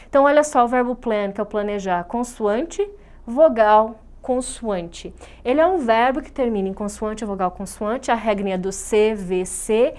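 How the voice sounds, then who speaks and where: A woman's voice: fairly high pitch, a little mellow. Patient Brazilian woman teaching grammar. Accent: Brazilian Portuguese. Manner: patient, explanatory, checks understanding with "certo?". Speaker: English teacher. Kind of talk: recorded online grammar lesson.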